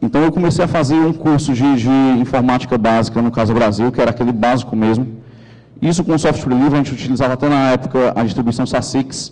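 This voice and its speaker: Over noticeable background noise, a man with a Ceará accent talks at a fairly quick pace, with a medium pitch and ordinary pitch variation. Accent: northeastern Brazilian (Cearense) Portuguese. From Brazil, Ceará (Fortaleza). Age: 20s. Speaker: panelist, youth apprentice in tech. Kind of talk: panel talk, personal testimony. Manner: casual, colloquial.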